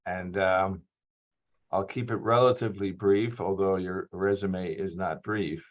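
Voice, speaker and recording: A man's voice: low voice, fairly even intonation, measured pace. Hesitant man introducing a speaker, lo-fi. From Australia. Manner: hesitant, many ums and restarts. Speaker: lecture series host.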